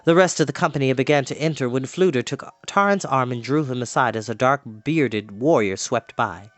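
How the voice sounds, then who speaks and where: A man reading a story aloud as storyteller, in an expressive narrating style. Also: mid-range voice, normal speed, no room sound.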